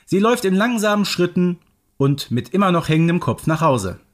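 Expressive higher-voiced man narrating a story. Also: moderate pace. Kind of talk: dramatic scripted children's story narration.

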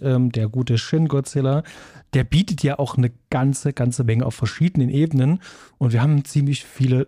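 Chatty German man with a mellow voice. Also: mid-range voice, dry recording, studio quality. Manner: chatty, many filler sounds, enthusiastic. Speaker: podcast co-host. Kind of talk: casual film podcast chat.

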